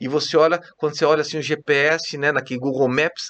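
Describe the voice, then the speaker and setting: Using a normal speaking voice, a man speaks at a fairly quick pace. His pitch is fairly high, and his intonation fairly even. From Rio de Janeiro, Brazil. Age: 50s. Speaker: judicial expert and course founder. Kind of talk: interview conversation.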